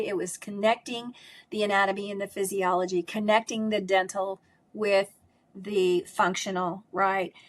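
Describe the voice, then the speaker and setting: A middle-aged woman with a strong voice speaks at a medium pitch in an emphatic, conversational way. She often caps her points with a quick "right?" as she explains her work. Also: fairly bright tone. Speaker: speech pathologist and course instructor. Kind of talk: conversational interview answers.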